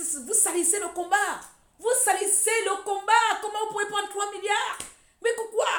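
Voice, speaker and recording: A woman from Gabon, an activist ranting sarcastically and scolding on a live stream. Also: high voice. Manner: mocking, scolding, repetitive. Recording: echoey room.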